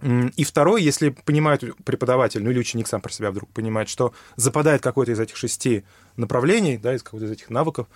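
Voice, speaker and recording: A Russian man, a guest who teaches English, explains how to study a language in conversation. His mid-range voice moves fast with no echo, and he thinks aloud with lots of fillers and restarts.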